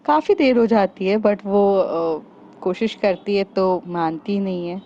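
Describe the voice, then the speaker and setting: A woman's voice: mid-range voice, slow, dark tone, a little hiss or hum. A woman telling a serialized story in a casual, chatty way, speaking directly to her listeners as friends, on a dull lo-fi recording.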